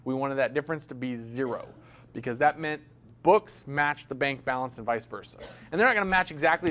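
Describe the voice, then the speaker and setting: A male accounting instructor lectures a classroom in a voice a little high for a man, with a fairly bright tone. He keeps it loose and chatty, making small jokes and tossing questions to the students.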